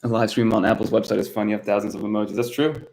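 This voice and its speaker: A man's voice: lowish voice, level tone, very fast, gravelly, a little mellow, a little hiss or hum. A young man from Miami hosting his first live stream, chatting casually and answering viewers by name, recorded on a built-in camera mic in a cluttered home room. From United States (Miami, Florida).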